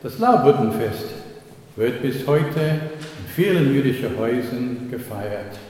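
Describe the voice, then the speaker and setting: Man, pastor preaching slowly, mellow voice, echoey church hall with long reverb. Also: mid-range voice, animated, slight background noise. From Australia. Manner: slow, measured preaching with occasional slips in German. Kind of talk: sermon.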